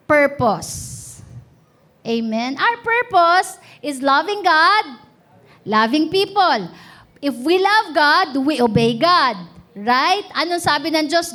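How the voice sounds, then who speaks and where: A woman pastor with a Filipino accent preaching a sermon in a church service, asking the congregation frequent rhetorical questions and slowing down to stress key words. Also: high voice, pushed and bright. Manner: preaching with rhetorical questions, switching between Tagalog and English.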